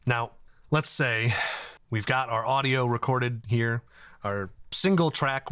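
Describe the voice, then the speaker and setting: Man giving a dry-sounding software tutorial. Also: mid-range voice, dry recording. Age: 30s. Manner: conversational, explanatory. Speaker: tutorial host.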